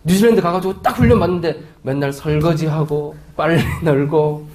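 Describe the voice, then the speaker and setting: A man in his forties, a missionary pastor, preaching a sermon with lively, anecdotal storytelling and acted-out voices. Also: fairly high pitch, a little fast. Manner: animated storytelling, acting out quoted voices.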